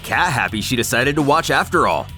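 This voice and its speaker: A man's voice: medium pitch, very animated, brisk, bright, forceful tone. A man narrating a scripted story recap in the manner of a dramatic retelling, with music behind him. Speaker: narrator of a fan comic series.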